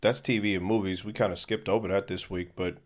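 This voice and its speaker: A man's voice: sits low, steady tone, fast. A young man co-hosting a podcast, chatting casually in a laid-back, slangy, joking way. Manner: laid-back slangy banter, jokey asides. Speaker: podcast co-host. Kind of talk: casual chat.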